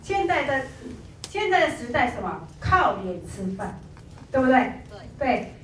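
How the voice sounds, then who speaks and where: A middle-aged woman gives a lively sales training talk, telling stories and acting out the people in them. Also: high voice, measured pace, distant mic, a little hiss or hum. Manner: animated storytelling, acts out quoted people. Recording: echoey room, voice from off-mic.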